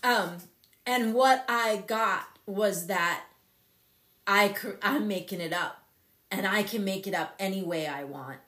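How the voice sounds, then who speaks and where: A woman in her fifties hosting a talk show, telling a personal story in a candid, animated way with frequent laughs. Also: mid-range voice, slow, echoey room. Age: 50s. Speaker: show host and company CEO. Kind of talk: casual storytelling on a live show.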